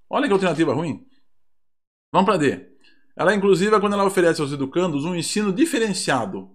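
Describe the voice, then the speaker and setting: A man's voice: high voice, a bit bright. A man with a Brazilian Portuguese accent, a teacher reviewing mock exam questions in an online lesson, reading aloud with ironic asides.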